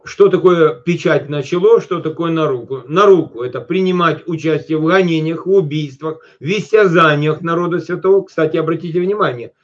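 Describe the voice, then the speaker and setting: In this sermon, the preacher's fairly high voice comes through a dull, low-quality recording. Slow scripture reading gives way to direct remarks to the listeners, then quick, ordinary side comments.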